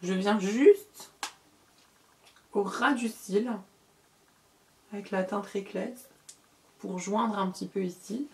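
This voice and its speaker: A middle-aged woman, working as a beauty vlogger, talks through a casual makeup tutorial in a medium-pitched voice. She's chatty, repeats words, and fills her pauses.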